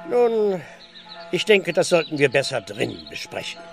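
An actor playing a stern, impatient village constable in a radio play, officious and brusque, with speech. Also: male voice, fairly high pitch, big pitch swings, moderate pace, gravelly, over music. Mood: stern, insistent. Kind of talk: German radio play acting.

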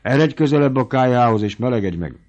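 A man voicing an irascible old country squire who barks orders in shouting tirades. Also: medium pitch, lively intonation, pitched above the performer's own voice, natural voice. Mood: gruff. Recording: dull lo-fi audiobook recording.

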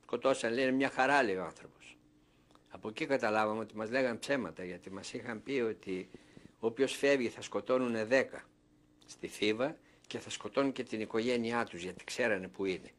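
With a mid-range voice, this elderly Thessaloniki native is being interviewed for an oral history. His storytelling brings remembered dialogue to life as he performs the exchanges.

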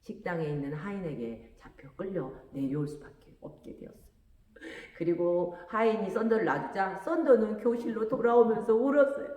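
A woman preacher telling a story to children, acting out the characters' lines with lively expression. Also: mid-range voice, moderate pace, highs cut off. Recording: echoey room with long reverb.

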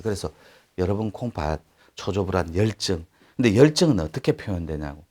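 Lively lecturing man. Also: on the low side. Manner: animated, acts out quoted speech, addresses listeners directly. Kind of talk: live lecture to an audience.

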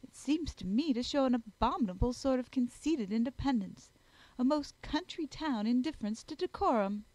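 A haughty young society lady, voiced by a woman narrator, full of catty disdain. Her affected, emphatic delivery swoops up high through an animated range, like a character in a period storybook, recorded dry and close. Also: moderate pace, dry recording, rough recording. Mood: scandalised scorn.

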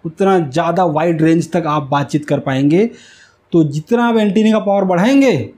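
A man's voice: sits high, a little mellow. A man, explaining step by step like an instructor and often checking that it is understood. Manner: didactic, repeatedly checks understanding. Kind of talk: explanatory whiteboard tutorial. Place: small indoor room with whiteboard. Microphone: lapel mic.

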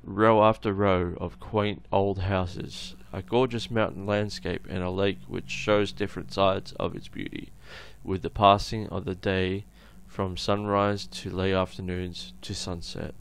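A man with an Australian accent reading aloud as a welcoming tourist brochure writer in a measured, presentational voice, on a noisy home recording. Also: low-pitched, flat delivery, vocal fry, smooth. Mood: inviting, serene. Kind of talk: read-aloud scripted narration.

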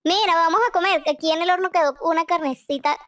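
High, youthful-pitched woman in roleplay. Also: steady tone, fast talker, fairly bright tone. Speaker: gaming co-host playing a roleplay mother. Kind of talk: casual improvised gaming roleplay.

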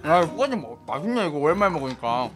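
Man chewing chips, lively chatty voice. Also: fairly high pitch, quick pace. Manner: talking with mouth full, savoring. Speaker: food review host, father. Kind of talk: casual mukbang chat to viewers. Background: background music.

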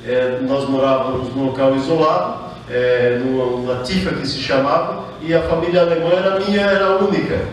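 A middle-aged man delivers a formal speech at a podium, earnest and unhurried, greeting each guest by name. His German-speaking upbringing sits behind his words. The sound is a very echoey hall with the voice picked up from a distance and a faint hiss underneath. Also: mid-range voice. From southern Brazil. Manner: earnest, greets dignitaries one by one, with fillers. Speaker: mayor. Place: large reverberant hall, indoors. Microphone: podium microphone heard from a distance.

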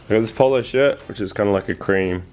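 A man's voice: fairly low pitch, fast, faint music behind. A man in his thirties giving a casual, chatty product review in a living room, with lots of fillers. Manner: chatty, relaxed, many fillers. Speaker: vlogger. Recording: echoey room.

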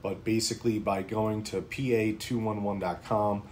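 A man's voice: on the low side, steady tone, normal speed, a little mellow, slight background noise. A man in his thirties from Pennsylvania hosting a prepping channel, talking informally to camera from a small home office with frequent ums. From Pennsylvania, United States. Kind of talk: casual talking-head vlog.

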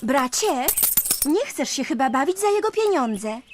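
A woman's voice: sits high, big pitch swings, unhurried, noisy background. A woman playing a sensible, cautioning young sister in a cartoon dub. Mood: disapproving.

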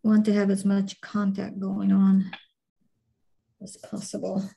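Mellow-voiced woman musing through a clay demo. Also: medium pitch, completely flat delivery, takes it slowly, vocal fry. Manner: thinking aloud, many fillers and trailing phrases. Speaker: clay class instructor. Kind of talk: casual chat while demonstrating.

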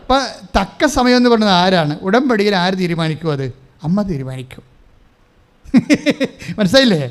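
A man's voice: high-pitched, expressive, normal speed, clean tone. A man preaching a sermon, speaking emphatically and leading his listeners to repeat prayers after him. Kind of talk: sermon with call-and-response prayer.

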